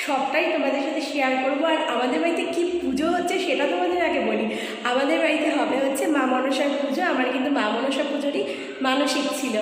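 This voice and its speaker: A woman hosting a vlog, chatting casually to her viewers from a bare, empty room whose walls make her voice boom and echo. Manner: friendly, talks straight to viewers. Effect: booming echo from the bare empty room. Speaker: vlog host. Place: empty top-floor room of a house. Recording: heavy echo, long reverb in an empty room.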